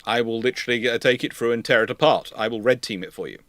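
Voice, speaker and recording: Bright-voiced man explaining, dry close sound. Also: medium pitch, fast, dry recording. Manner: hesitant repetitions, emphatic restating. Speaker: host of a naval history livestream, consultant. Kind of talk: live question-and-answer talk, explaining.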